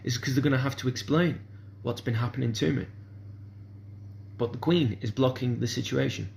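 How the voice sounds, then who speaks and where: A man's voice: mid-range voice, normal speed, creaky, darkish tone, a little hiss or hum. A man, speaking in a rambling, hesitant monologue full of fillers and restarts. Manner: hesitant, repeats "kind of sort of", restarts often.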